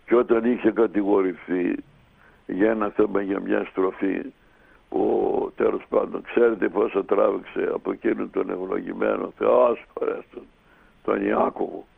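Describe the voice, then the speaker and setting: A man telling a long anecdote as a radio guest, in a lively, unhurried way. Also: fairly low pitch. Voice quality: gravelly and husky. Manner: lively, animated retelling with many pauses. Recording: tinny phone line on radio.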